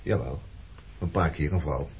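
A man's voice: very deep voice, normal speed, husky, full character voice. An actor playing a blunt, reproachful man questioning his former lover in a Dutch radio play. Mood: reflective, probing. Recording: muffled, noisy old radio recording.

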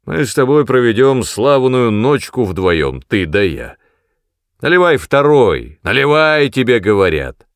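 A man voicing a brutal, drunken middle-aged father who mocks and threatens his son loudly. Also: mid-range voice, animated, a little slow, few pauses, no room sound, clean studio sound, pitched above the performer's own voice. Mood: menacing. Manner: mocking, menacing, loud.

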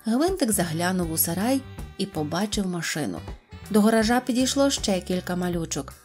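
A woman narrating a children's storybook in a clear, even reading voice. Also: medium pitch, moderate pace, soft background music. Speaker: audiobook narrator.

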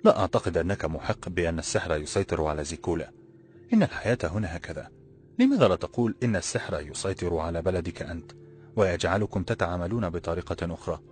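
A man voicing a gentle young woman from an old walled city, speaking in a formal, measured way. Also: low-pitched, lively intonation. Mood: calm. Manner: formal, measured classical speech. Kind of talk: audiobook character voice.

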